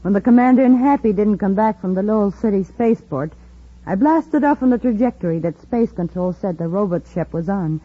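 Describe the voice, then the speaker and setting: A brave young woman pilot stands up to her captors. Her voice is slightly husky and earnest, in the style of 1950s radio drama. The recording sounds dull and old. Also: medium pitch, lively intonation, a little fast. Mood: defiant. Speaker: radio actress.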